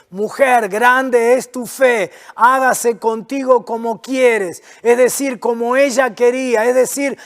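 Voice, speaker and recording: A man preaching a sermon, his voice sitting unusually high for a man. He speaks slowly and earnestly and sometimes sinks into hushed, intense stretches. A long hall reverb trails behind every phrase. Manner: earnest preaching, dropping to soft, low, intense passages. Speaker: pastor.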